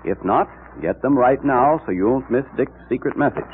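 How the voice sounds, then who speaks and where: A man's voice: medium pitch, moderate pace. An American man announcing in an emphatic, dramatic old-time radio style, reading scripted copy like a salesman. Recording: scratchy, tinny old radio recording.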